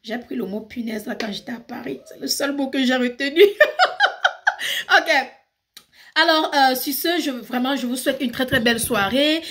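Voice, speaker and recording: A woman's voice: high-pitched, lively intonation, moderate pace, a bit bright. A woman with a Cameroonian accent, ranting passionately in a casual vlog and switching between French and English. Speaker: YouTuber. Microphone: phone.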